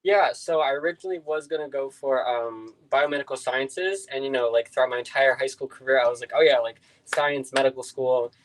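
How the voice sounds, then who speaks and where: A man's voice: mid-range voice, a little fast, hardly any pauses, low-quality recording. Hesitant young man asking questions. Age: young adult. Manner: hesitant, many fillers. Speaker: student caller. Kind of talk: casual questions on a video call.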